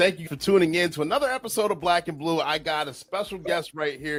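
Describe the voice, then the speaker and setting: The speaker sounds animated, with ordinary pitch variation. The pace is fairly quick. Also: man. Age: 40s. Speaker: podcast host. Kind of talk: podcast interview. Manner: stuttering, halting.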